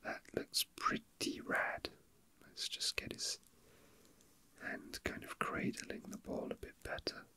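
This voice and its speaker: Unhurried and hesitant, a young man murmurs ASMR-style in a soft, breathy whisper. He's an ASMR video host at a tabletop indoors, commenting offhandedly as his hands go about their task.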